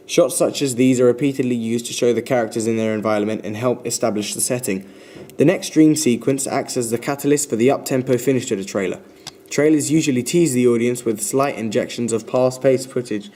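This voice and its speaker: A young adult man reading a scripted analytical commentary in a formal, measured way. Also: mid-range voice, dark tone. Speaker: student filmmaker explaining their trailer.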